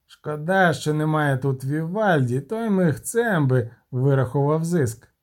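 A man's voice: a little high, animated, a little slow. A man voicing a jovial, chatty halfling.

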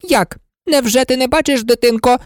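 A woman voicing the Red Queen, an imperious and impatient queen who scolds and commands, in a storybook reading with a high, loud voice. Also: moderate pace, dry recording, clean studio sound, natural voice. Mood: scolding. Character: bossy, imperious older queen.

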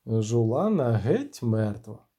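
Old scornful wizard , man reading, dark mellow tone, voice jumps high and low. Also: sing-song, takes it slowly. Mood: grave.

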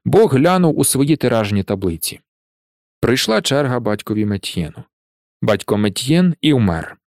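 A man voicing a gaunt, gloomy Parisian gravedigger who speaks low, quiet and self-important, in an audiobook. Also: big pitch swings, moderate pace, no room sound, studio quality. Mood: solemn.

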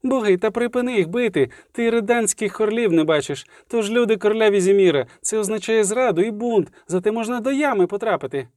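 A jittery young poet with a high, breathless voice that keeps jumping up in alarm, as the narrator of an audiobook puts him on. The tone is dark and mellow underneath. The recording is dry and close. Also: male voice, brisk, hardly any pauses, dry recording, close to an everyday voice. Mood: panicky. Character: excitable young male poet, panicky.

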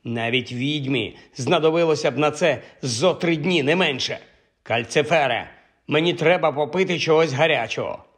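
A man's voice: a little high, a bit bright, natural voice. A man doing a sulky, irritable young wizard. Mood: irritated. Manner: irritable, drawn-out complaining. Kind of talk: audiobook character voice.

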